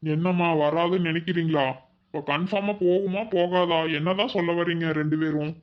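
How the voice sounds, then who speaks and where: A man's voice: on the high side, fairly even intonation, a little fast, muffled recording, natural voice. A man playing a fretful young husband who is scared of ghosts, in a cartoon. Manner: whiny, fretful. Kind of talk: cartoon voice acting.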